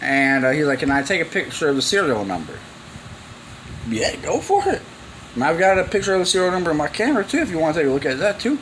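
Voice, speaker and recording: A young man with a slightly high voice tells a rambling, informal story as a vlogger. He uses plenty of slang and acts out both sides of conversations. It is recorded indoors in a garage with a faint background hum. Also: big pitch swings, fast talker, fairly bright tone, low-quality recording. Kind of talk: casual rambling storytelling to camera.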